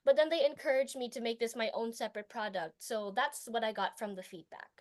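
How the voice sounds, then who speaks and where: A young teenage girl with a fairly high voice speaks to a competition panel. She recites her prepared pitch, then fields questions with earnest pauses and fillers. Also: darkish tone. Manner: delivers a memorized pitch, then answers judges with hesitant fillers. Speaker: student presenter.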